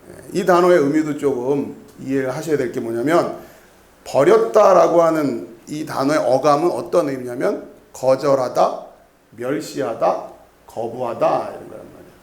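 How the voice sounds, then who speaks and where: Speaking in a mid-range, expressive voice with vocal fry, this man preaches an expository sermon at a moderate pace in a church sanctuary with a roomy sound. He talks conversationally, often asks the congregation questions, and repeats key words.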